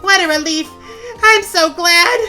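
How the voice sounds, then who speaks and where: A woman voicing an excitable, big-hearted young friend in a game story, with a gushing, emotional, high-energy delivery. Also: unhurried, faint music behind, full character voice. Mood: tearful relief.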